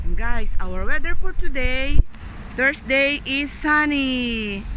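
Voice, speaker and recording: In a Filipino accent, a raised, projected voice speaks at a very slow pace with ordinary pitch variation over noticeable background noise. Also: woman. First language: Tagalog. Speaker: vlogger. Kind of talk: casual vlog narration. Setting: outdoors in a park.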